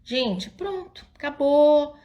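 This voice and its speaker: A woman's voice: slow pace, lo-fi sound. A middle-aged woman psychologist, talking casually to parents in a live stream and acting out little scenes as she tells them. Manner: animated storyteller, often addresses listeners as "gente"; drops soft and low when quoting her own calm words to the child.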